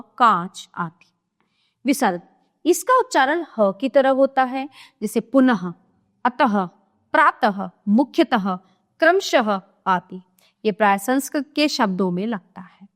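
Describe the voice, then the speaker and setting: Woman teacher going through grammar real slow, highish voice, spells out each example, keeps checking in. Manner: checks in with the listener as she explains. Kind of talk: explaining a Hindi grammar lesson.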